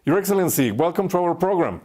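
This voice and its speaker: A man's voice: high voice, big pitch swings, fast talker, noisy background. A male program host who reads a scripted introduction and then asks questions, often stumbling and repeating words. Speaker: interview host.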